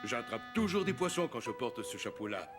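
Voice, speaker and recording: A man's voice: mid-range voice, big pitch swings, a little fast, lightly acted. Casting: male actor as jovial elderly cartoon grandpa, hugely swooping intonation, instructive, faint music. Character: jovial old grandfather, keen fisherman. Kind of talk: French-dubbed children's cartoon acting.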